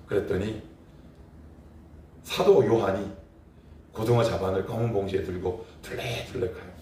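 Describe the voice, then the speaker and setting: A male pastor giving a lively sermon, asking his congregation questions and acting out little scenes. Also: low-pitched, normal speed. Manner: animated preaching, acting out scenes and rhetorical questions. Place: church sanctuary. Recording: very echoey church hall, voice from a distance.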